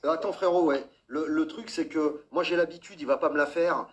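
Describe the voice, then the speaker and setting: A man's voice: on the high side, fairly even intonation, normal speed, highs cut off. Blunt slangy male stream host. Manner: blunt, slangy, addresses caller as brother. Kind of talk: casual talk on a live stream.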